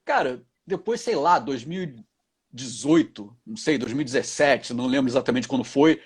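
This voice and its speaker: A male voice actor and dubbing director, answering interview questions with animated stories, acting out quoted lines in other voices and laughing often. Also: medium pitch, normal speed, slightly rough.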